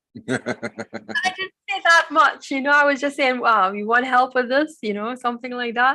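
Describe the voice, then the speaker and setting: Projecting a raised voice with a southern Trinidadian accent, a woman speaks at a high pitch with lively intonation and hardly any pauses. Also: moderate pace. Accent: Trinidadian, South Trini. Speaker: podcast co-host. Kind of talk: casual chat.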